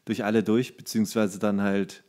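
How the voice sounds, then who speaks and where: A man's voice: on the low side, little pitch movement, normal speed, a little mellow. Jokey man, casual podcast banter. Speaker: podcast co-host. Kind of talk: casual comedic chat.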